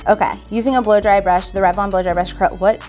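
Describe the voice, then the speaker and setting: A woman's voice: mid-range voice, fairly even intonation, fast talker, darkish tone, soft background music. A woman in her thirties co-hosting casual reaction commentary in a salon, chatty and giggly. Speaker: co-host. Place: salon with product shelves, indoors.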